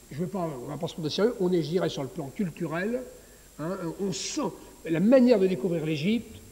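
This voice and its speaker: In a room with audible echo, a man talks at a fairly quick pace with a high pitch and lively intonation, broken by long, frequent pauses. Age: 50s. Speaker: travel company executive. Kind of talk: interview. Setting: public conference in an abbey.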